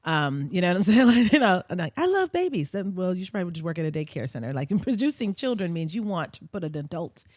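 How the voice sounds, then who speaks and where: A middle-aged woman co-hosting a talk show, explaining ideas in a reflective way and slowing down to stress key lines. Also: lowish voice, animated, a little mellow, no room sound, studio quality. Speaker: podcast co-host. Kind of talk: casual chat.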